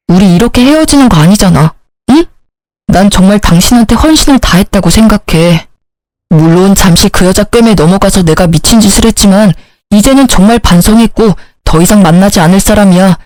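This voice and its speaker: A woman's voice: mid-range voice, normal speed, a little mellow, no room sound, natural voice. A woman voicing a sly, self-excusing cheating husband who turns from pleading to blaming. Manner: pleading, then scornful and blaming.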